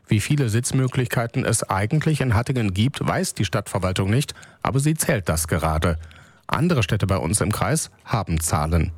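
A man reading scripted regional news on the radio in a calm, measured, even delivery. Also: on the low side, husky, no echo. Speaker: newsreader. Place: radio studio. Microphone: close studio microphone.

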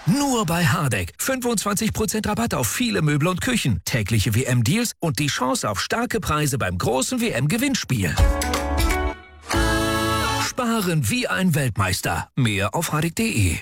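A man voicing a radio commercial, energetic and salesy. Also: on the high side, a little slow, slightly rough. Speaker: commercial voice-over. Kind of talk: radio advertisement. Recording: loud music bed behind the voice.

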